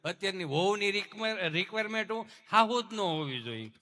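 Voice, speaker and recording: A man performing folk comedy storytelling, animated and switching into character voices. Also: high voice, quick pace. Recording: music playing underneath.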